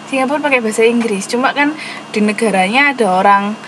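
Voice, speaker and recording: A woman's voice: a little high, quick pace, a bit bright. A woman teaching an online English class with a Javanese accent, explaining patiently and dropping English terms into her speech. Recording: noisy room with air conditioning.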